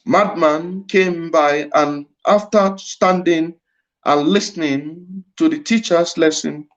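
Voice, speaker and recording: A man with a Nigerian Igbo accent giving an impassioned lecture, repeating his phrases for emphasis. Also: fairly high pitch. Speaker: speaker at a livestreamed address. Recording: dull lo-fi stream audio.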